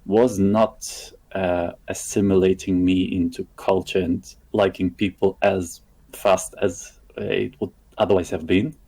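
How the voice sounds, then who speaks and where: A man's voice: deep voice, level tone, unhurried, creaky, mellow, slightly rough, poor audio. A man who grew up in Lithuania, a native Russian speaker, talking in a casual conversation with many restarts and fillers. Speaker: guest.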